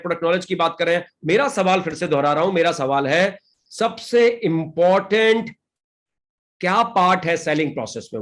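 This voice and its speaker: High-voiced man giving a sales training. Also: a bit bright. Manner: switches between Hindi and English, reads out participants' answers with quick praise. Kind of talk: online training session.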